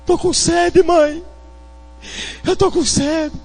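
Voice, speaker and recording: A man's voice: extremely high pitch, flat delivery, extremely slow, gravelly, pitched above the performer's own voice, exaggerated voice. A preacher doing a whiny little thirsty boy. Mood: tearful. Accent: Northeastern Brazilian. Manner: whiny, tearful pleading. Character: small thirsty boy, whining and crying for his mother.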